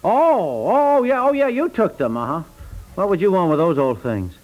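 A man's voice: sits high, very animated, normal speed, a little mellow, low-quality recording. A man playing an affable but harried, resigned husband, folksy and repetitive, in an American accent and 1950s radio comedy style. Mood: taken aback, strained. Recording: vintage 1950s radio broadcast.

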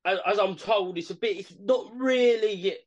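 A man with an East London accent, his voice pitched notably high for a man. He co-hosts a casual sports podcast with laid-back, matey banter. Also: moderate pace, dull audio. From East London, England. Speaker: podcast co-host. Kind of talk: casual boxing podcast chat.

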